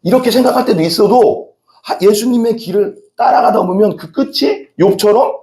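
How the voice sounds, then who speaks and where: The recording, made in an echoey church sanctuary, captures a pastor giving a relaxed, chatty sermon and regularly asking the congregation questions. He has a high, slightly mellow voice and speaks at a normal speed.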